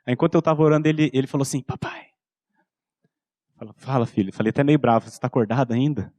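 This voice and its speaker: A Brazilian pastor in his thirties preaches in an intimate storytelling way, dropping his voice low when he acts out bedtime talk with his son. His voice sits in a middle pitch. The sound is dry and close, with no room echo. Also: fast talker, a little mellow. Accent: Brazilian Portuguese. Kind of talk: sermon.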